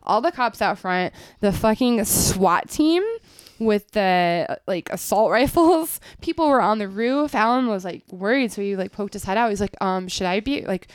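A talkative woman tells stories in a relaxed podcast chat, leaning hard on "like" and casual swearing. Her voice is smooth and resonant, recorded dry and close in an apartment. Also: medium pitch, normal speed, dry recording. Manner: chatty storyteller, heavy use of "like", swears casually. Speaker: podcast co-host. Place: apartment in Brooklyn.

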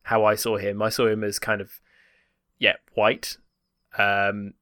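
A man's voice: fairly low pitch, completely flat delivery, unhurried, pushed and bright, clear, resonant tone, no echo, studio quality. A man with a home counties English accent, explaining things in casual, discursive chat and often correcting himself. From home counties, England. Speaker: podcast panellist explaining British terms.

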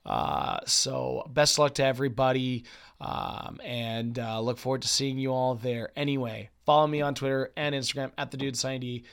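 Male podcast host, medium-pitched, husky and fry-laden, voice dry and weak from a cold, emphatic off-the-cuff commentary. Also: normal speed, a bit bright. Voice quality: husky, gravelly. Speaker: podcast host and poker player. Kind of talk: casual solo podcast commentary.

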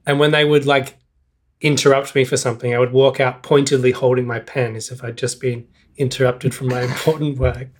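A man's voice: medium pitch, little pitch movement, brisk. A young man co-hosting a casual podcast chat, wry and self-mocking, laughing often at his own stories. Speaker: podcast co-host.

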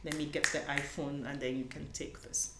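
A woman's voice: sits low, level tone, normal speed. A woman from Nigeria, a conference panelist, talking earnestly in an interview and often restarting her sentences. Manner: earnest, searching, frequent restarts. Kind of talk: conversational interview. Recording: echoey room with faint noise.

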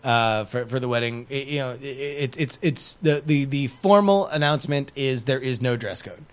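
A man's voice: mid-range voice, moderate pace, clear, resonant tone. A man co-hosting a podcast in casual chat, joking and swearing freely. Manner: joking, profane, playful. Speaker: podcast co-host.

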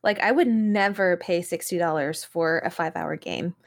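A woman's voice: on the low side, normal speed, vocal fry. A woman co-hosting a podcast, talking in a casual, conversational way. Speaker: podcast co-host. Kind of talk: casual chat.

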